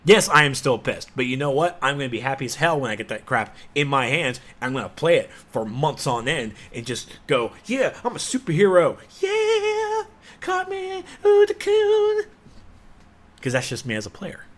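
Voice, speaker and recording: A man giving a sarcastic, exasperated rant as a gaming commentator, with sudden loud outbursts. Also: mid-range voice, brisk, few pauses. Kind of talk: ranting video commentary.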